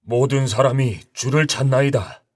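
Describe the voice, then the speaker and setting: An actor voicing ordinary townsmen and petitioners in a dramatized scripture reading, earnest in tone. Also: male voice, medium pitch, fairly even intonation, moderate pace, dry recording, clean studio sound, close to an everyday voice.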